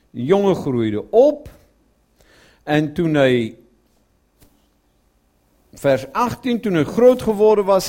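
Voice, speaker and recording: A preacher retells a Bible story in his sermon, putting questions to his listeners and dropping to a low murmur whenever he quotes lines. His tone is darkish.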